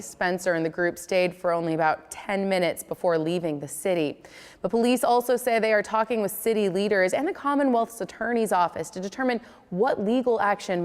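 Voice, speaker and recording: A woman's voice: mid-range voice, big-room sound. A woman with an American accent reading a scripted local television newscast as the anchor.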